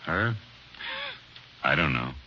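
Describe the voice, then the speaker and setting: A man playing a surly ex-convict jewel thief in a 1950s radio drama, gravelly and sneering. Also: extremely low pitch, expressive, slow, bright, forceful tone, slight background noise, exaggerated voice. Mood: sullen. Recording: muffled old radio broadcast.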